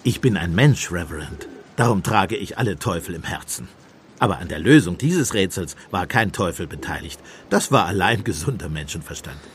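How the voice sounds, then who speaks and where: An actor playing a shrewd, compassionate priest detective in a radio play, speaking in a measured, persuasive pastoral manner. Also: male voice, sits low, animated, slight background noise. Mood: calm, knowing. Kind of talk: German radio play acting.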